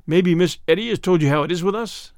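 A man's voice: high-pitched, fast, a little mellow, dry recording, studio quality. A man voicing a savage, domineering young villain with a curt, sneering, threatening delivery in an audiobook. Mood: curt, menacing. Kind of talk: audiobook character acting.

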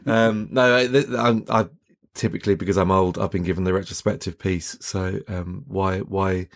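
Male sports writer, gravel-edged lower register, halting and conversational podcast delivery. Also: fairly even intonation. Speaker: football journalist, podcast guest. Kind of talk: casual football discussion.

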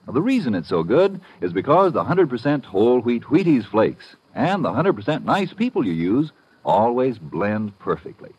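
A man's voice: medium pitch, very animated, normal speed, darkish tone, breathy edge. An American man reading a folksy, playful 1950s radio advertisement as the announcer. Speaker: commercial announcer. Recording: dull, roomless old radio recording.

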